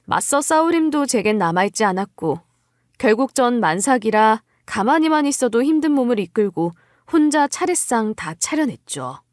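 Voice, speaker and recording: A woman's voice: a little high, sing-song, normal speed, dry recording, clean studio sound. A woman delivering scripted, first-person dramatic narration as a storyteller.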